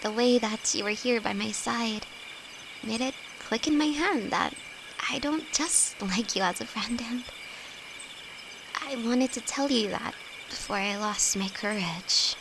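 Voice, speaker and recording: A woman's voice: a little high, gravelly. A woman playing a timid, affectionate young apprentice alchemist in an intimate fantasy audio roleplay, speaking hesitantly to her best friend. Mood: nervous confession. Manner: hesitant, halting, soft-hearted. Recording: noisy, with night insects behind. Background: crickets and night forest ambience.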